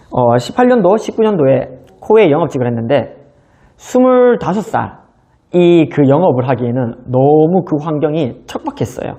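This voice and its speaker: A man's voice: fairly high pitch, dark tone. A man in his thirties giving a motivational business lecture, telling his own story in a conversational way. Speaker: business seminar speaker.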